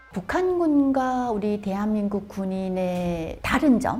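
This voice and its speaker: A woman amid noticeable background noise. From North Korea. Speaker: North Korean defector and former soldier. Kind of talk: testimony. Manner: animated.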